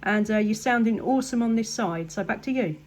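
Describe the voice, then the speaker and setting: A woman's voice: mid-range voice, a little fast, a little mellow, slight background noise. An English woman chatting casually as a CB radio operator, upbeat and appreciative in manner. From England. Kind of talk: casual radio contact chat.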